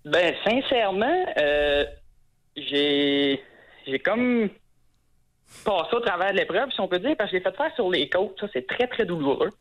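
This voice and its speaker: A man's voice: high voice, lively intonation, measured pace, a bit bright. A man in his twenties with a Quebec French accent, calling in to a talk show and telling his story hesitantly, with many fillers and restarts. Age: 20s. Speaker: caller. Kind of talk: phone-in call on a talk show. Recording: muffled phone-in line.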